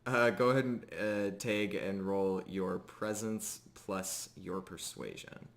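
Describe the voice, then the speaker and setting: A man narrating a tabletop fantasy game as game master, improvising descriptions in a measured way with pauses. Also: on the low side, steady tone.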